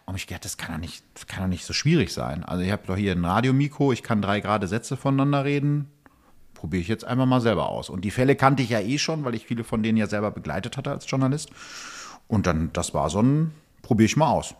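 A man's voice: lowish voice, animated, quick pace. A man talking in a casual, colloquial and self-ironic way, telling stories as a podcast guest. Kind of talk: casual chat, storytelling.

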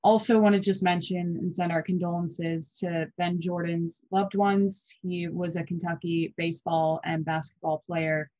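A woman in her twenties co-hosting a college basketball podcast, chatty and quick with fillers and restarts. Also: fairly low pitch, level tone, darkish tone, no room sound, low-quality recording. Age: 20s. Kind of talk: casual sports podcast chat.

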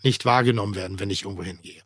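A middle-aged man from northern Germany, a chef, talking as a podcast guest in a halting, blunt way with many restarts. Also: on the low side, a bit bright, slightly rough, no room sound, clean studio sound. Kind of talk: casual podcast chat.

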